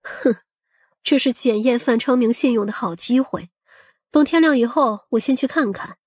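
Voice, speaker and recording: A woman acting a shrewd, husky-voiced middle-aged mother. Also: a little high, moderate pace, a little mellow, no echo, clean studio sound. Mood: calculating, firm. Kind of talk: audiobook drama acting.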